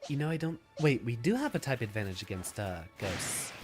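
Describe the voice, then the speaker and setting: A man's voice: mid-range voice, very animated, brisk, music in the background. Easygoing guy chatting with his stream while he plays, bit stuffed up and nasally, voice bounces around a lot. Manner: easygoing, musing aloud, reads out chat questions. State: stuffy nose, slightly nasal. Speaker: streamer playing a video game. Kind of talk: casual game stream chat, answering viewers.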